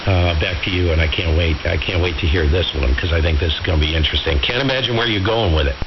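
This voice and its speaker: A man with a deep voice chats casually over ham radio, explaining himself in colloquial, emphatic phrases and checking that he is understood. The AM signal is muffled and buried in loud, constant hiss. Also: quick pace. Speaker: amateur radio operator. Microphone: radio transmitter audio heard over the air. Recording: very noisy, hissy AM radio signal.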